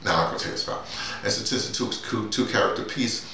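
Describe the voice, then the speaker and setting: A man in his sixties talking casually and haltingly to camera, repeating words and wandering off on asides. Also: lowish voice, vocal fry, bright, forceful tone. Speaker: playwright and audio drama teacher. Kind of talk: casual rambling monologue to camera. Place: small bare-walled room indoors. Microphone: camera mic a few feet away. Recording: very echoey room, distant mic, faint hiss.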